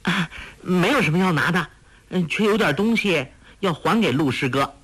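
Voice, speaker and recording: Male narrator doing a cheeky teen girl, bubbly and coaxing, husky, lively swoops. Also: moderate pace, full character voice. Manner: bubbly, coaxing, high and bright. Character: playful clever teenage girl, cheeky and affectionate.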